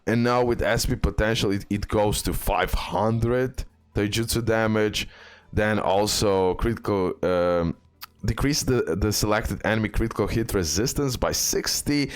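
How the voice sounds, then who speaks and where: A man hosting a gaming update in a casual, halting way, often pausing on fillers and tagging phrases with quick check-ins. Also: lowish voice. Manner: informal, halting delivery with repeated filler words and check-in tags. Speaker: gaming content creator and host. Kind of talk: casual gaming news commentary over on-screen images.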